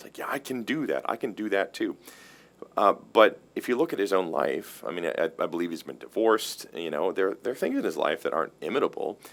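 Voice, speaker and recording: A man talks at a fairly quick pace. His loudness rises and falls sharply. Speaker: pastor. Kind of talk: casual chat.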